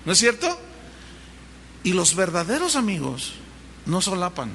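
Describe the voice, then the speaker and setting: A Mexican pastor preaches with a bright, lively delivery, voicing the people in his story as he goes. His voice rings through a large hall with a long reverb. A faint hum of the room sits underneath. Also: high-pitched, a little slow. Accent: Mexican Spanish. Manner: animated storytelling, acting out dialogue. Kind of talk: sermon. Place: church hall.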